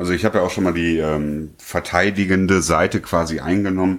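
A man's very deep, low voice with fairly even intonation on a very clean recording, background silent. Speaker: podcast co-host. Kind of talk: casual chat. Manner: hesitant, many fillers.

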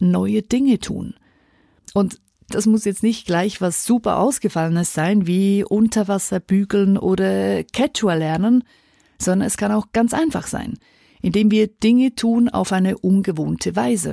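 In a very clean recording with a silent background and a dry, close sound with no echo, a woman speaks at medium pitch in a dark, mellow tone with ordinary pitch variation. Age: 30s. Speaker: podcast host. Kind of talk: solo podcast monologue.

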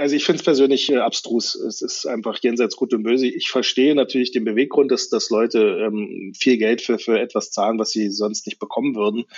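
Speaking at a fairly quick pace with hardly any pauses, a man keeps a medium pitch and fairly even intonation. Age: 40s. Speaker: sneaker expert and shoe brand founder. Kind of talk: interview. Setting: video call. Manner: hesitant, many fillers.

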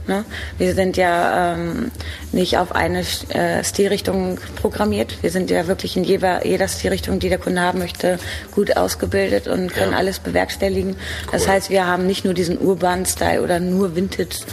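Noticeable background noise sits behind a woman's voice. She speaks at a moderate pace. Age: 40s. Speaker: florist and shop owner. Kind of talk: casual interview. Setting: in her flower shop.

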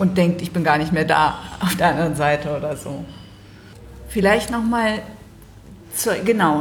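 A woman's shaky, lively voice at a fairly slow pace, with audible room echo and noticeable background noise. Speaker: podcast host. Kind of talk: interview conversation. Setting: in-person recording. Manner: trembling voice.

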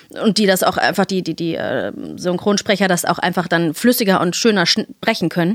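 The speaker talks at a moderate pace with fairly even intonation in a normal speaking voice. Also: woman, medium pitch for a woman. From Germany, Cologne. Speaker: voice actress and dubbing director. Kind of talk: casual interview chat.

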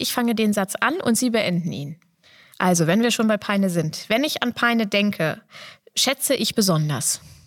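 Lively intonation marks a woman speaking at a moderate pace in an ordinary speaking voice. The recording is very clean, with a silent background. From Lower Saxony. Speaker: podcast host. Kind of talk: interview.

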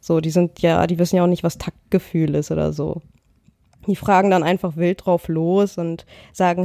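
Dark, mellow tones from a woman at a fairly low pitch and moderate pace, on a very clean, silent-background recording with a dry, close sound and no echo. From Germany, arrived from Kyrgyzstan at age three. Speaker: podcast co-host. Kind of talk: personal testimony in casual chat.

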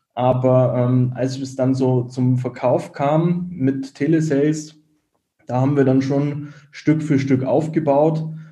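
The voice is dark and mellow, somewhat breathy, with a flat, monotone delivery. It moves at a very slow pace amid audible room echo. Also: man, fairly high pitch for a man. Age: 30s. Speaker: entrepreneur, agency owner. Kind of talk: interview. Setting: video call.

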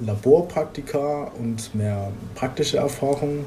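There is noticeable background noise and audible room echo. A man talks with ordinary pitch variation. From Mittelsachsen, Saxony. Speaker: student. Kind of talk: casual chat.

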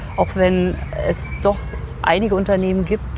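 There is noticeable background noise while a woman is talking. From Berlin, Germany. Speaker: business consultant. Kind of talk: interview. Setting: outdoors in a park.

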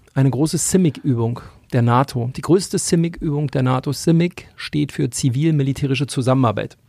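A man with a fairly high pitch and dark, mellow tone talks at a fairly quick pace. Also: ordinary pitch variation. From East Germany. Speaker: podcast co-host, army reservist. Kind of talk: casual chat.

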